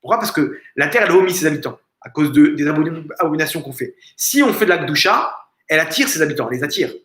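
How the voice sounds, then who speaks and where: In an echoey room of a family home, a higher-pitched man teaches an informal religious lesson as a rabbi. His delivery is expressive, fast and fairly bright, full of emphasis, rhetorical questions and repetition, with many stumbles and false starts.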